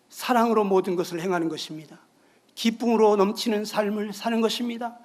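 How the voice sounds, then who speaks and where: Middle-aged male preacher, very high voice, emphatic bursts and hushed drops. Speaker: pastor. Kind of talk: sermon.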